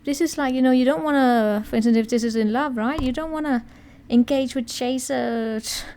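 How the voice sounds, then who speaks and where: A woman's voice: high-pitched, moderate pace, a little mellow. A woman giving a casual tarot reading in a chatty, rambling way, often checking in with the listener. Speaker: tarot reader.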